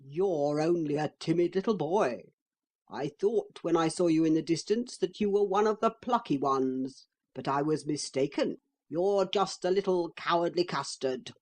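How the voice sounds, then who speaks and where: A woman voicing a bossy, goading male white horse from a storybook, who speaks slowly and teasingly. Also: sits low, a little mellow. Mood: taunting. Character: bossy talking male white horse, loud then soft.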